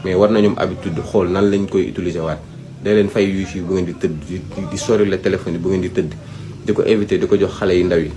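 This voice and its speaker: A man's voice: deep voice, steady tone, fast talker, background noise. A Senegalese man giving informal advice, speaking emphatically, repeating his points and addressing the listener directly. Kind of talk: informal advisory talk, Wolof mixed with French.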